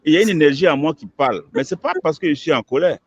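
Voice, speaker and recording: A man's voice: on the high side, expressive, rapid-fire, slightly rough, dry recording. A man, an imam, answering questions in an emphatic preaching manner, repeating words as he builds each point. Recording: dull lo-fi recording.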